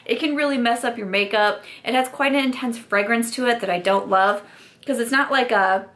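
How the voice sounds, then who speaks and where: A woman's voice: a little high, brisk, a bit bright. A young woman vlogger, losing her voice from a sore throat, chatting frankly through makeup reviews with lots of likes. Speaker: beauty vlogger. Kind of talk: casual product review.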